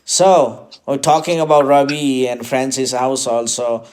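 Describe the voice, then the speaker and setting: A man from Nepal, a native Nepali speaker, talking haltingly in a casual phone conversation about his ministry work. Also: medium pitch, level tone, darkish tone. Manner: halting, hesitant speech.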